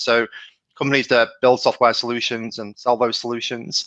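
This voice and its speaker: Speaking with an American accent, a man uses a medium pitch and a fairly quick pace. The sound is dry and close with no echo, the tone bright and sharp, and the background quiet. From England. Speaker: tech company manager. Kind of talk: interview. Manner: hesitant, many fillers.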